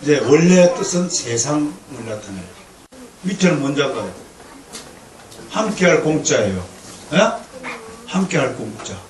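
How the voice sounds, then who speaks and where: A male pastor preaching a lively lecture-sermon to a congregation, with humor and call-and-response. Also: fairly high pitch, a little slow, pauses often. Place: church sanctuary. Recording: echoey hall, distant mic, faint noise.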